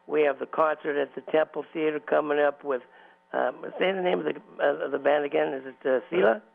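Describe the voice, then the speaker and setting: A man's voice: on the high side, fairly even intonation, brisk, creaky. A man hosting a local radio talk show as DJ, chatting loosely with many fillers and restarts. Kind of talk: casual radio chat. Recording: tinny phone-like radio audio.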